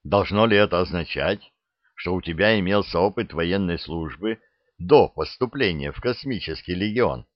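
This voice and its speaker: A man reading the part of a space legion captain who asks careful, measured questions. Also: low-pitched, lively intonation, no room sound, dull audio. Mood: probing. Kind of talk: audiobook character reading.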